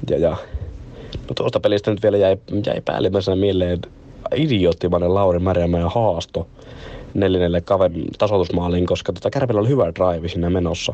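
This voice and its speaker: Over noticeable background noise, a man talks in a very deep, low pitch with ordinary pitch variation. His moderate pace includes long, frequent pauses. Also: very even loudness. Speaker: fan sending voice message. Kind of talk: voice message.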